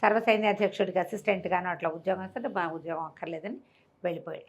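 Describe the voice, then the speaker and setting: A woman's voice: fairly low pitch, racing, lo-fi sound. A woman with a Telugu accent telling a folk tale conversationally, explaining as she goes and acting out dialogue in her own voice. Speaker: storyteller.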